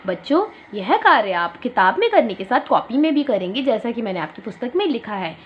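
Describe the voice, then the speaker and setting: High, lively woman teaching young kids. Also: a little hiss or hum. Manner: slow drawn-out syllables, asks and answers her own questions. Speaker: primary school teacher. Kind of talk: online class lesson. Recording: dull lo-fi sound.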